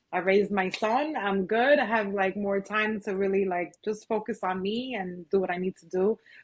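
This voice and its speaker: With an American accent, a woman talks at medium pitch and a moderate pace in an ordinary speaking voice, her intonation fairly even but her loudness swinging widely. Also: hardly any pauses. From New York. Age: 30s. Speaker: permanent makeup artist. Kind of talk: casual chat.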